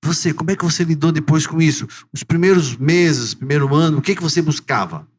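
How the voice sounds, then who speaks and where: A man's voice: fairly high pitch, lively intonation, brisk, husky. A man hosting an interview podcast, talking in a heartfelt, reflective way. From southern Brazil. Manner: heartfelt, reflective, often adds "né". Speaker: podcast host. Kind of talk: emotional interview chat.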